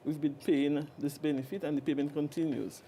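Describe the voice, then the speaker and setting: A woman's voice: low voice, steady tone, a little fast, warm tone, slight background noise. A middle-aged woman with a Dominican Caribbean accent, giving formal answers as an official in an interview. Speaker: guest, social security official. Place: office, indoors. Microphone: lapel.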